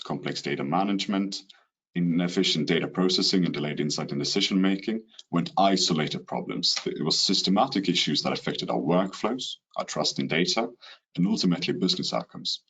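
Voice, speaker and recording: A man's voice: deep voice, husky. A man with a Swedish accent from Sweden gives a rehearsed business webinar presentation over a call, dropping in the odd "you know". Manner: steady, rehearsed delivery with occasional "you know" fillers. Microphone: computer mic on a video call.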